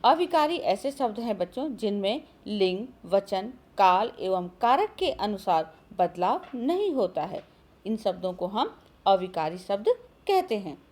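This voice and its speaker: With a darkish, medium-pitched voice that swings widely in pitch, a woman teaches grammar to schoolchildren at a measured pace in a recorded online lesson. She addresses the children often and answers her own questions.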